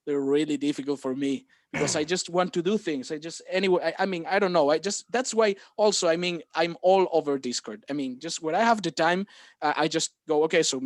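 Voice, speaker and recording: A man from Galicia, talking in a casual podcast chat, excited and halting, with many restarts. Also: a little high, no echo.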